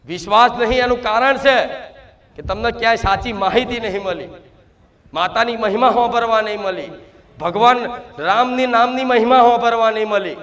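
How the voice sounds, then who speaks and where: A man, speaking loudly as a spirit medium in a trance sermon to devotees, full of repetition and rhetorical questions. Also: very high-pitched, moderate pace. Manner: loud, shouting, declamatory.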